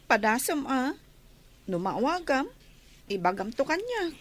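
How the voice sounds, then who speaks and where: A woman's voice: sits high, very animated, a little slow, slight background noise. A young woman with an Ilocano accent, playing an anxious, earnest girl who cooks for her friends, in a radio drama.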